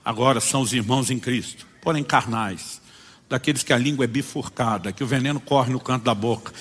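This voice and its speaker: A man's voice: mid-range voice, a little fast, in a large hall. A Brazilian man preaching as a pastor, telling stories and acting out the dialogues in them. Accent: Brazilian Portuguese. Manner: animated storyteller acting out dialogues. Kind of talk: sermon with storytelling.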